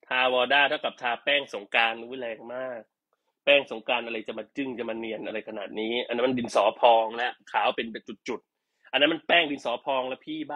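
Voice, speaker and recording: A man's voice: mid-range voice, bright, forceful tone. A man chatting casually and teasing jokingly while selling products on a live stream.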